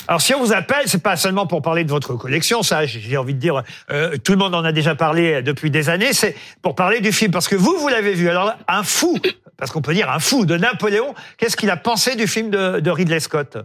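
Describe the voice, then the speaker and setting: A man hosting a live evening news talk show, asking guests brisk, playful questions. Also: high-pitched, animated, a bit bright. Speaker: TV host.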